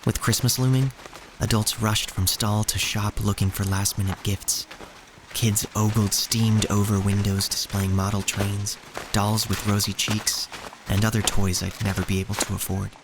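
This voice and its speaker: A man playing a solemn narrator who tells of a poor street childhood in measured, scripted audio drama storytelling. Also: fairly low pitch, level tone, noisy background, natural voice. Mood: somber, measured. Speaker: first-person narrator. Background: music.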